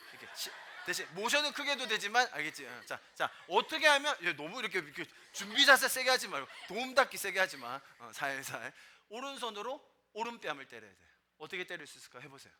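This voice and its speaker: A man's voice: high-pitched, pushed and bright. A man preaching as a pastor, asking the congregation questions and quoting scripture with emphasis. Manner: interactive, asks the congregation questions; quotes scripture in a rising, emphatic voice. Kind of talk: sermon. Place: church sanctuary with a stage.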